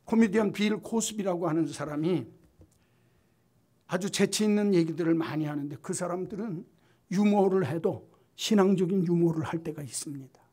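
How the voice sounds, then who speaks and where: A male pastor preaching a sermon emphatically, building up to loud, forceful lists. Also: sits high, moderate pace. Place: church sanctuary.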